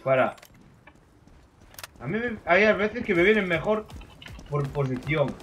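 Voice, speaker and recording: A man with a Spain Spanish accent streaming live gameplay commentary, excitable, swearing and yelling at opponents. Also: sits high, a little slow, far from the mic, lo-fi sound, a little hiss or hum.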